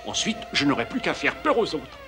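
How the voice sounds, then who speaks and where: A man's voice: fairly high pitch, big pitch swings, brisk, music in the background. A man playing a fussy, scheming ghost in a French-dubbed cartoon, grumbling theatrically to himself.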